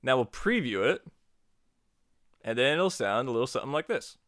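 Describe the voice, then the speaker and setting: A man's voice: medium pitch, sing-song, normal speed, a bit bright, no echo, clean studio sound. A man narrating a tutorial as its host in an informal, jokey, casual way.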